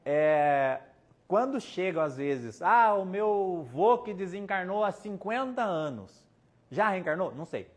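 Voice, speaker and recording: This Brazilian man speaks in a high, expressive voice at a slow pace, with a Brazilian Portuguese accent. A spiritist medium, he gives a casual storytelling talk with audience questions, chatting through anecdotes, quoting people in his stories, and joking along the way.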